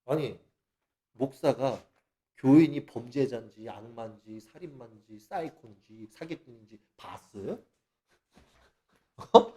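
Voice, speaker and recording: A man ranting about faith in a sarcastic, mocking monologue. His voice sits high and swings widely in pitch. He is animated throughout. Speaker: religious channel speaker.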